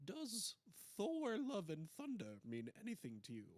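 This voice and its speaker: A put-on character voice from a man, pitched high and paced moderately. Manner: very hushed, quiet.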